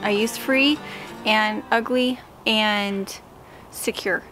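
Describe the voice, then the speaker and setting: A woman's voice: mid-range voice, steady tone, extremely slow, a bit bright, soft background music. A woman in her thirties, a homesteading vlogger, explaining her building work in a casual, practical way outdoors, speaking to a camera held at arm's length. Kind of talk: casual how-to vlog. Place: small backyard outdoors.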